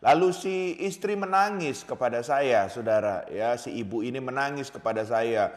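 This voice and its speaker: A man's voice: mid-range voice, moderate pace, big-room sound. A man preaching a sermon as a pastor, often turning to his listeners and telling a story from his church work. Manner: addresses listeners as "saudara" often, tells stories with acted quotes.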